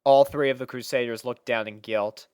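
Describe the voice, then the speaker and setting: A woman narrating a scripted story in an expressive manner. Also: rumbling low, moderate pace, clean tone, dry recording, studio quality.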